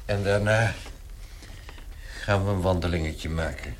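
Low-voiced family father. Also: a little slow, slight background noise. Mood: curt. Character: middle-aged family father, settled and authoritative. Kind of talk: 1960s radio play acting.

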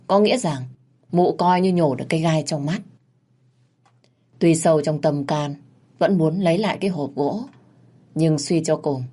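A woman narrating an audio story in a steady, dramatic storytelling manner. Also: low-pitched.

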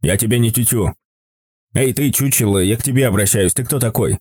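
A man voicing a gruff, blunt old man in a storybook reading. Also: mid-range voice, a little fast, darkish tone, dry recording, studio quality, close to an everyday voice. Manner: gruff, rough-spoken.

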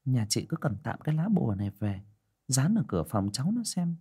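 A man voicing an older female fortune-teller who frets and explains in quick bursts. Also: medium pitch, sing-song, mellow, slightly rough, pitched above the performer's own voice. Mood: resigned. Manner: fussy, exclaiming, talks fast in bursts. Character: older woman fortune-teller, fretful and worried.

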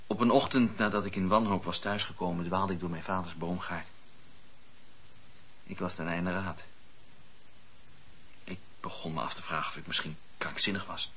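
A fervent religious dissenter in a period radio play. His voice is rough-edged and intense, fairly low, and he tells things with earnest, declamatory conviction and dramatic pauses. The recording is somewhat dull. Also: bright, forceful tone, full character voice. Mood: hushed, awed. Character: fervent wandering preacher, earnest 17th-century religious dissenter.

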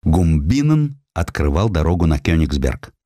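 Low male voice narrating history, super animated and dramatic, dry close sound. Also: moderate pace, no room sound. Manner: expressive, emphatic storytelling delivery. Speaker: audiobook narrator.

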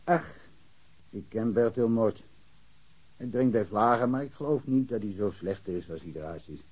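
A man's voice: lowish voice, moderate pace, a little mellow, slightly rough. An actor playing a talkative, blunt village policeman who speaks colloquially and with confidence in a naturalistic radio drama. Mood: wry, knowing. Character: chatty, blunt village policeman, worldly-wise and sure of himself.

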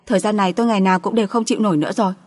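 A female narrator plays a middle-aged wife at the end of her rope in a storybook drama. She rants and accuses bitterly, her pitch lifted above plain narration. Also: fast, close to an everyday voice. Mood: angry, desperate. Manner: ranting, accusing, wailing.

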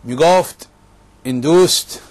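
In Paris, the middle-aged host of a monologue show tells the story of a debate with plenty of emphasis, keeping it casual. He sounds slightly high and a bit mellow.

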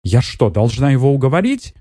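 Casting: a ruthless scheming woman, cold and bossy, read by a man, raised higher and harsh, dry close sound. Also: sing-song, brisk, mellow, no room sound. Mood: scornful. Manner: harsh, commanding.

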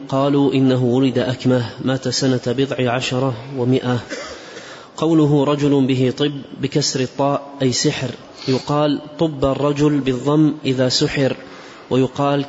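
A man's voice: medium pitch, a little mellow, a little hiss or hum. A man reading a classical text aloud in a lesson, carefully spelling out vowel markings. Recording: dull lo-fi recording.

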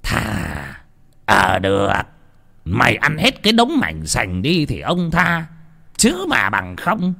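A man voicing a cruel, greedy old village chief who curses and shouts. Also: on the low side, wildly swooping pitch, takes it slowly, creaky, heavily acted. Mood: raging. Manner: snarling, cursing, shouting.

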